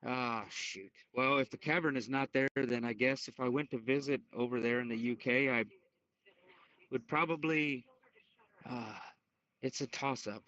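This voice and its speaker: A man's voice: medium pitch, a little slow, a bit bright. A man chatting casually as a podcast panelist in a hesitant, musing way. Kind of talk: casual chat. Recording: muffled lo-fi call, echoey room.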